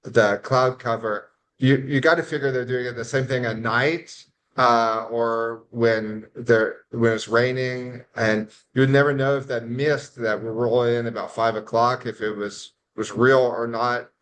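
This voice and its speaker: A man from California with an American accent, co-hosting a conversational interview in a halting way. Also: mid-range voice, steady tone, fairly bright tone. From California, United States. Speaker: interviewer, show co-host.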